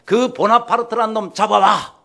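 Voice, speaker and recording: A man's voice: sits high, big pitch swings, moderate pace, vocal fry, full character voice. A man voicing a furious, commanding male emperor who barks his orders. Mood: stern. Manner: shouting, barking orders.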